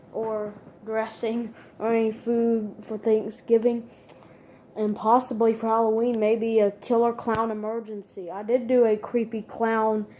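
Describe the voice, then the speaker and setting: Slow, flat, higher-voiced woman. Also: slight background noise. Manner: halting, listing items one by one. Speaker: video creator asking viewers for requests. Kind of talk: casual unscripted vlog talk.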